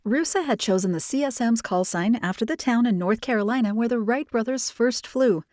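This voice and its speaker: Woman, fairly high voice, e-learning narrator, measured and articulate, dry close studio sound. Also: a little mellow, dry recording. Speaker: voice-over narrator for e-learning and training. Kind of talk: scripted instructional narration. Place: home studio.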